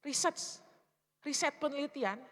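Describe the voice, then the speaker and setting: Middle-aged woman church speaker, high bright voice, conversational sermon, long hall reverb. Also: a little slow. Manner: lively, chatty, keeps asking the congregation questions.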